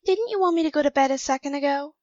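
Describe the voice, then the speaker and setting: A woman's voice: sits high, fast talker, a little mellow, lo-fi sound, lightly acted. A woman playing a curt, impatient clone of a young woman in an audio drama, defiant and threatening.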